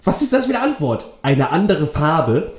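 A man's voice: on the high side, very animated, normal speed. A man co-hosting a casual podcast, hesitant with many fillers, reading quiz questions aloud. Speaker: podcast co-host. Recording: roomy, echoey sound.

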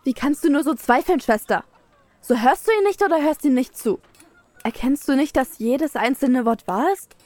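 A woman's voice: sits high, expressive, moderate pace, a little mellow, no room sound. An actress playing a pious, bossy teenage peasant girl in a medieval radio play, scolding earnestly. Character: pious bossy sixteen-year-old eldest sister, medieval peasant girl. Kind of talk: German radio play acting.

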